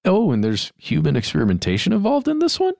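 A man's voice: a little high, huge pitch swings, quick pace, vocal fry, darkish tone, no echo, clean studio sound. A man co-hosting a podcast with casual banter. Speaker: podcast co-host.

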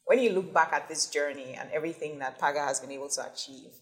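Woman, interviewer, low voice, conversational probing questions. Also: fast, low-quality recording.

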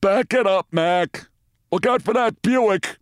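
Brusque, cocky lot attendant, male narrator acting, higher voice, storybook. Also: lively intonation, measured pace, creaky, clean tone, no room sound, studio quality. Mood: brusque, bossy. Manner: brusque, bossy.

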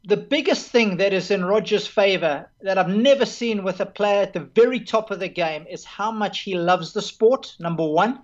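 A man in his forties with a South African accent, a tennis broadcaster and former player, answering interview questions in an earnest, measured way. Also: high-pitched, dull audio. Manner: earnest, measured, lists points methodically. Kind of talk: relaxed interview conversation.

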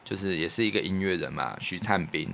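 A man's voice: deep voice, expressive, fairly quick, vocal fry, a bit bright. A man with a Taiwanese Mandarin accent co-hosting a podcast, telling stories casually in an earnest, reflective, colloquial way. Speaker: podcast co-host and radio professional. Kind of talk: casual conversational storytelling.

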